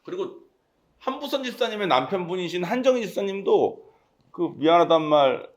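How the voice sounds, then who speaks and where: A man's voice: high voice, very animated, normal speed. A talkative man with a Gyeongsang accent, preaching a casual, conversational sermon and often checking in with his congregation. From Gyeongsang region, South Korea.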